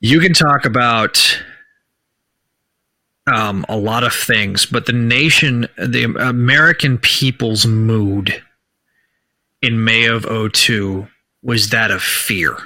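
A man co-hosting a casual film discussion, talking haltingly with many restarts as he builds his point. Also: mid-range voice, bright, forceful tone, dry recording. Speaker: podcast co-host. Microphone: remote call setup.

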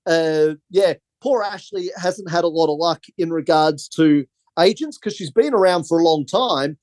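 A man's voice: fairly high pitch, normal speed, a little mellow, no room sound. A man, a film director, rambling through anecdotes in a casual interview and laughing often.

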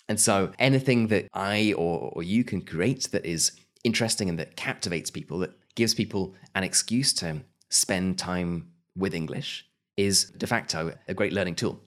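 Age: adult. Sex: man. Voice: very low. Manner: measured, thoughtful podcast guest. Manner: measured, thoughtful, with hedges and restarts. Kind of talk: remote podcast interview.

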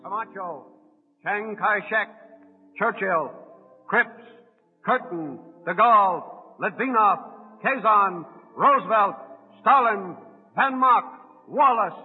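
An actor playing a stern roll-call caller in a 1940s radio drama, declaiming in clipped single calls. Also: male voice, high voice, expressive, takes it slowly, pauses often, slightly rough, faint music behind, full character voice. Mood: stern, proclaiming. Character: stern roll-call voice barking names and military orders. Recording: reverberant, tinny vintage radio broadcast.

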